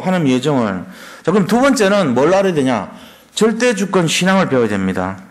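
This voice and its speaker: A man preaching a sermon, animated, firing off rhetorical questions and acting out people's complaints. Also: high voice. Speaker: pastor. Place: church.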